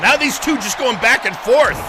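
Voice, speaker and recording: A man doing live play-by-play as a wrestling commentator, with exclamatory, drawn-out calls. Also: extremely high pitch, expressive. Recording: loud crowd and music behind. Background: crowd noise, music, ring thuds.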